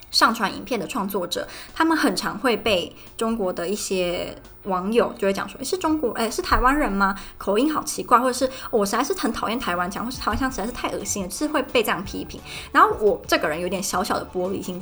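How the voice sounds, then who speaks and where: Young Taiwanese woman, rapid chatty podcast host, soft music underneath. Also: mid-range voice. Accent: Taiwanese Mandarin. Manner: fast, chatty ranting monologue. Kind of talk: casual podcast chat. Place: student dorm room. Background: faint background music.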